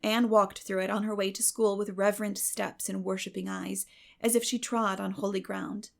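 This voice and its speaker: A woman's voice: medium pitch, level tone, moderate pace, vocal fry. A woman giving a scripted, dramatic literary narration as an audiobook reader.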